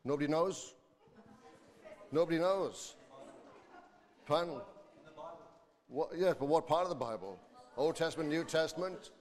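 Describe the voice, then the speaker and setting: A man's voice: a little high, animated, measured pace, pauses often, a little mellow. A man preaching to a congregation, speaking informally and reading from scripture. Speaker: preacher and school teacher. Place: large reverberant church or hall. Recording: echoey hall with long reverb.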